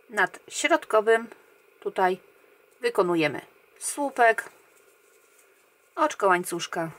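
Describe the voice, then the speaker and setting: A woman guiding viewers through a crochet pattern step by step, counting stitches aloud in a calm, quiet way that often trails off. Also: mid-range voice. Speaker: crochet tutorial host.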